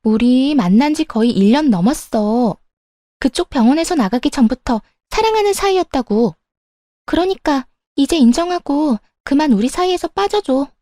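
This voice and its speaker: A brazen young mistress, played by a woman narrator, talks in a high, taunting voice that leaps around in pitch. She is smug and defiant. The sound is dry and close. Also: animated, moderate pace, mellow, no room sound.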